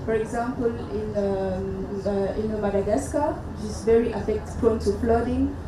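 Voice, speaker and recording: A woman speaking as a panelist, measured and halting, with many fillers. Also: medium pitch, fairly even intonation. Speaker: panelist from a conservation group. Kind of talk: panel answer. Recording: echoey hall, distant mic, noisy.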